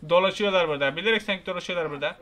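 A young man giving excitable, frustrated gameplay commentary, shouting at the characters on screen. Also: sits high, very fast, faint music behind. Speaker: gaming YouTuber.

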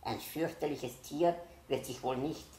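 A woman voicing a calm, reassuring mother fox in a storybook reading. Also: rumbling low, a little slow. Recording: roomy echo.

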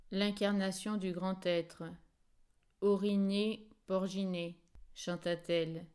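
Slow, smooth-voiced woman narrator. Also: lowish voice. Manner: slow, measured and expressive. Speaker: audiobook narrator. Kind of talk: scripted literary narration.

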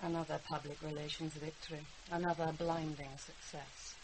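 A woman's voice: sits low, little pitch movement, moderate pace, close to an everyday voice. An actress playing an anxious, resentful middle-aged mother with an English accent in a British radio drama, by turns sarcastic and pleading. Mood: weary, sarcastic. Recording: hissy, noisy radio drama recording.

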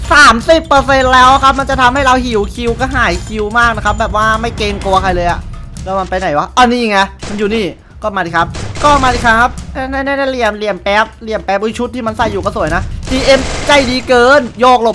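A young man giving excited gameplay commentary, taunting opponents and repeating short calls over and over. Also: very high voice. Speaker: gamer streamer.

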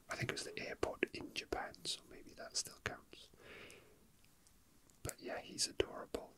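Whispering ASMR host, hushed and musing. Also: rough recording. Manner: hushed, unhurried, musing to self. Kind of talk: whispered ASMR, casual chat while handling a toy figure.

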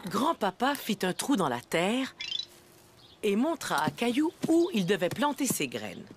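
A woman playing a kindly narrator who reads a children's story in gentle, clearly phrased storytelling. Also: mid-range voice, sing-song, unhurried, slight background noise. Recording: music behind the voice.

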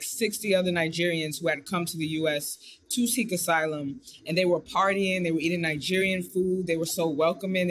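A woman's voice: lowish voice, fairly bright tone. American woman telling stories informally. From United States. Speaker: film co-director, guest. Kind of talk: casual personal storytelling. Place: indoor room on a video call.

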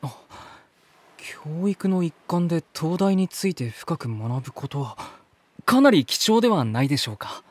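An actor playing a polite, curious young man in a voice drama, speaking in a gentle, thoughtful way. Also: a little high, sing-song, normal speed, no echo. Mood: polite interest. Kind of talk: Japanese voice drama acting.

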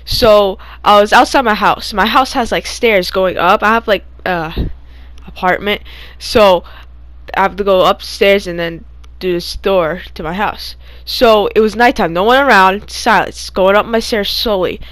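A young woman casually telling stories of dreams in a puzzled, halting way, repeating and trailing off. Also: mid-range voice, a bit bright, no echo. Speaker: storyteller recounting own dreams. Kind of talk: casual story time over gameplay.

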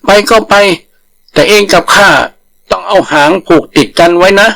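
Man voicing a panicky, high-pitched cowardly tiger. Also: moderate pace, gravelly, a bit bright, rough recording. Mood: reluctant bargaining. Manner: frightened, protesting, exclamatory.

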